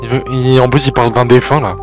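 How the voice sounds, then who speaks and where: An indignant clan defendant acted by a man in a roleplay game. He rattles out slangy, confrontational, repetitive lines in a medium-pitched voice. Faint music plays underneath. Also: level tone, fast talker, lightly acted. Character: indignant hot-headed defendant, loyal clan member. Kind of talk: improvised online roleplay game.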